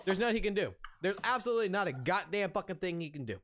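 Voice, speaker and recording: A man's voice: high-pitched, lively intonation, racing, fairly bright tone, slight background noise. Profane ranting man in his thirties. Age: 30s. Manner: profane, heated, rambling with restarts. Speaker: streamer. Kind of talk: ranting open discussion.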